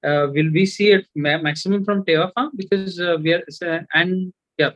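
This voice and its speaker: A man's voice: sits high, steady tone, normal speed, fairly bright tone, dry recording. A man, an individual investor putting questions to management over a muffled conference call line.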